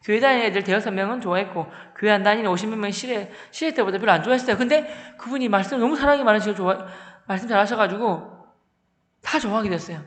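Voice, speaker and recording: High-voiced deacon in echoey hall. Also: male voice, very fast. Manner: lively storyteller acting out dialogue with loud outbursts. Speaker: church deacon giving a testimony. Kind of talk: humorous testimony at a church seminar. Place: church hall. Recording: echoey hall with long reverb.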